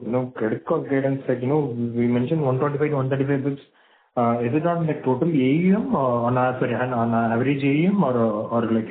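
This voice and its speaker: A man, an analyst on an earnings call, asking his questions in a rambling way, full of "like" and "you know". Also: mid-range voice. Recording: tinny phone line.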